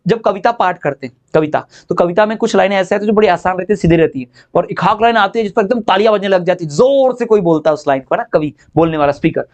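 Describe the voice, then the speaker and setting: A high-voiced man gives an exam-prep lecture. He explains mostly in Hindi, often asking and answering his own questions. When he reads the English definitions, he slows down sharply. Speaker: teacher.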